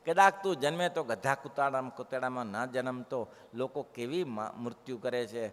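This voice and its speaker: A man's voice: medium pitch, normal speed, fairly bright tone. A man giving a devotional sermon as a preacher, emphatic and often putting rhetorical questions to his listeners. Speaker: preacher giving scripture discourse. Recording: long hall reverb.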